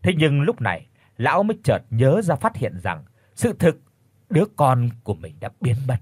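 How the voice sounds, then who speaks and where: A man narrating a horror audiobook with dramatic, expressive storytelling. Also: medium pitch, moderate pace, slightly rough, no echo, clean studio sound.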